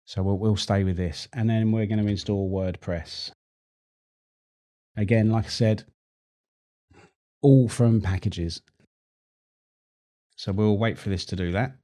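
A middle-aged man hosting a screen-recorded tech tutorial, chatty and relaxed, repeating words as he works. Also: fairly low pitch, slow, long pauses.

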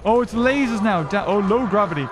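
A man giving excitable, rambling let's play commentary into a desk microphone, thinking aloud as he plays. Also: sits high, brisk, over music. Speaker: gaming commentator.

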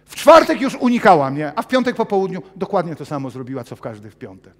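A man in his fifties preaching a sermon with personal testimony in a small church hall, animated and gesturing as he paces. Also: on the high side, quick pace. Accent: Polish. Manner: animated, gesturing broadly while pacing the stage. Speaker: pastor.

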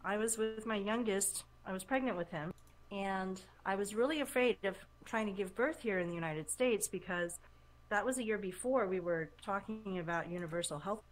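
A woman from Taiwan, Mandarin her first language, speaking as a podcast guest in a hesitant, soft way with many pauses. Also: mid-range voice, rough recording. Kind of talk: casual interview talk.

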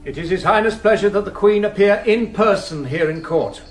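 An actor playing a court officer formally reading out an indictment in a radio drama. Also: male voice, high-pitched, a little fast, roomy sound, soft background music, natural voice. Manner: formal, proclaiming.

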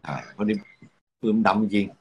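A man's voice: moderate pace, rough recording. A man with a Rayong accent hosting a radio chat, musing aloud and reading out listener comments. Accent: Rayong Thai. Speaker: host.

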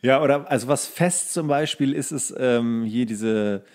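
A man's voice: medium pitch, measured pace, a little mellow. A man co-hosting a podcast, chatting casually in a rambling, colloquial way with coarse slang. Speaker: podcast co-host. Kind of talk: casual chat.

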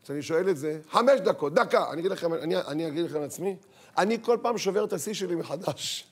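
A middle-aged rabbi giving a lively talk to an audience, asking rhetorical questions and acting out the voices in his stories. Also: on the high side, breathy edge. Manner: animated, acts out quoted voices, rhetorical questions.

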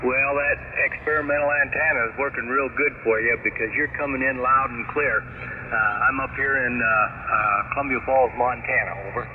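A man's voice: medium pitch, steady tone, moderate pace. A man chatting casually as an amateur radio operator over a radio link. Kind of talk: casual radio contact chat. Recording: distant, tinny, very noisy radio link.

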